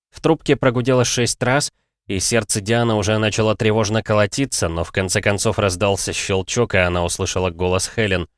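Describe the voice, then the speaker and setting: A man's voice: on the low side, no echo. Man narrating an audiobook, dry close sound. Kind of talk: scripted narration.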